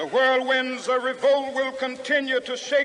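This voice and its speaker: The speaker has an American accent and talks at a fairly slow pace. Noticeable background noise runs underneath. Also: man. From United States. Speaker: civil rights activist. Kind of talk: public speech to a large outdoor crowd. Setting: outdoors.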